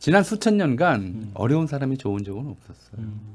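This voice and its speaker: Very wide pitch swings mark a man speaking at a fairly quick pace. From South Korea. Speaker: historian and political commentator; political commentator. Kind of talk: political talk show interview. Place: studio. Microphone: studio mic.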